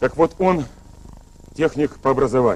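Here a man is speaking. His pitch varies in an ordinary way. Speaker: speaker. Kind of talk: public speech. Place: hall. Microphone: old recording.

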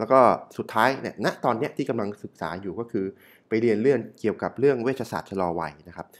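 A man with a normal speaking voice, pitched in the medium range, uses ordinary pitch variation. The recording is very clean, with a silent background. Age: 30s. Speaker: health and anti-aging content creator. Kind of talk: casual vlog talk.

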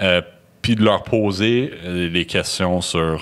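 With ordinary pitch variation, the man speaks in a very deep, low pitch. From Quebec. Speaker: university football coach. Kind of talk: casual chat. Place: studio. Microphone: studio mic.

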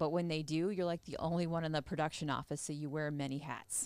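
A woman speaks with a very deep, low pitch. The sound is dry, without echo. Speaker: unit production manager. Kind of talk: casual interview chat. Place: studio. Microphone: studio mic.

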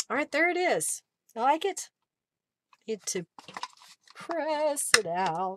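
A woman's high voice at a very slow pace, with very wide pitch swings, long and frequent pauses, and light background noise. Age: 50s. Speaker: craft artist and online shop owner; craft host. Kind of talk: live-stream craft tutorial with chat. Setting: live stream, home craft room. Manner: chatty, frequent laughter. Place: home room.

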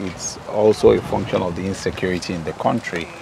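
The voice runs at a moderate pace with fairly even intonation, the sound dry with no echo and noticeable background noise. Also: man. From Nigeria, Lagos; Nigeria. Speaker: real estate developer. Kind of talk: interview; interview answer. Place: street. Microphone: lapel.

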